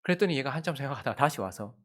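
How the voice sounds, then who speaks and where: Animated Korean pastor telling a story. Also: male voice, mid-range voice, racing. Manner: storytelling, acts out the quotes, leads congregational reading. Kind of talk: sermon with a family story. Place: church sanctuary.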